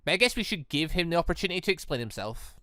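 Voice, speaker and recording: A man's voice: on the high side, very animated, racing, sharp tone, dry recording. A man voicing a stern adult woman, a formal and curt academy instructor in a visual novel. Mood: reluctant, curt.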